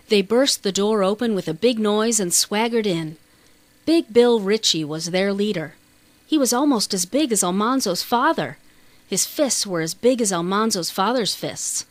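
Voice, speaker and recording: Woman, storybook narration, medium pitch, very dry studio-like sound. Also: lively intonation, moderate pace, dry recording. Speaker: audiobook narrator.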